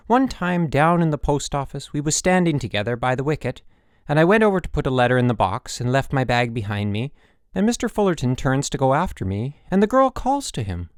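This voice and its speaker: A man's voice: medium pitch, smooth, dry recording, natural voice. A proud old country woman in a storybook, acted out by a male narrator, chatty and stubborn. She rambles in folksy, emphatic sentences, in a very dry recording. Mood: insistent, defiant. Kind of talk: audiobook character dialogue.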